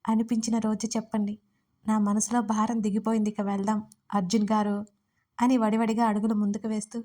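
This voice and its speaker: A woman's voice: medium pitch, level tone, brisk, dark tone. A woman narrating a romantic story and reading both lovers' lines herself. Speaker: writer and narrator.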